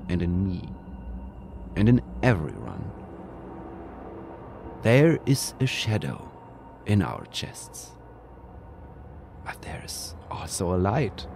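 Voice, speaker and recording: A man reads a horror story aloud in a slow, brooding manner, sometimes sinking into a whisper. His voice sits fairly low with a gravelly texture, and his pacing is very unhurried. Faint music plays beneath him. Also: darkish tone, a little hiss or hum. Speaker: narrator. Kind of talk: dramatic scripted horror narration.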